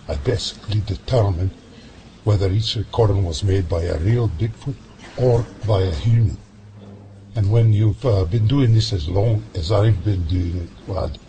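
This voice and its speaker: A seasoned Scottish sound analyst, as a man plays him, calm and folksy in a low voice, talking shop with easy confidence. Hiss sits clearly under the recording. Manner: calm, folksy, says lad and aye. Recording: noisy home-made audio drama.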